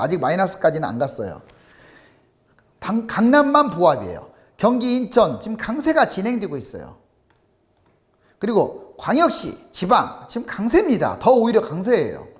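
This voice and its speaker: A man talks alone through a series of charts, pressing his points and firing off rhetorical questions. His voice sits high for a man and swings widely in pitch as he stresses each figure. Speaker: real estate commentator. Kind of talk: solo commentary over charts.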